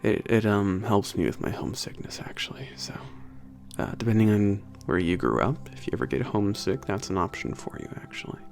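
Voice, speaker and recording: A man playing a laid-back, slightly gruff young werewolf trainer in a casual ASMR roleplay, talking in a halting, informal mumble that trails off. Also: lowish voice, animated. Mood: relaxed, nostalgic. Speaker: workplace trainer. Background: soft background music.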